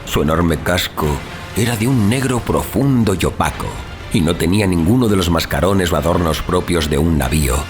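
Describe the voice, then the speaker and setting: A man's voice: sits low, normal speed. A man reading a literary horror story as a narrator, in a solemn, suspenseful, dramatic style. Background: music.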